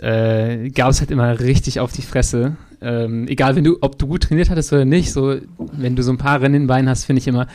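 A man's voice: medium pitch, darkish tone. A man hosting a podcast interview, chatty and joking, telling long anecdotes. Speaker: podcast host. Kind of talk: casual interview.

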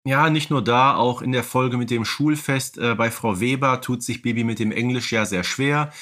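A man's voice: medium pitch, normal speed, fairly bright tone. A man hosting a casual, humorous fan podcast, speaking wryly with playfully pedantic turns of phrase. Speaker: podcast host.

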